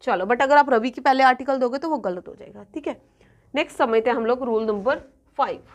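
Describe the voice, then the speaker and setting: Woman, fairly high pitch, grammar lesson, mixes Hindi and English, keeps checking in. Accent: Punjabi-influenced Hindi-English. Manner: checks in often with students, repeating examples slowly. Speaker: exam coaching teacher.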